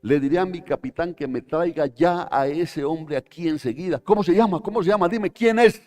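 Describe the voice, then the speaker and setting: A man's voice: a little high, fast, dark tone, voice pushed up, lightly acted. A man voicing an indignant, hot-tempered King David, with outraged, rising exclamations. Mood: demanding.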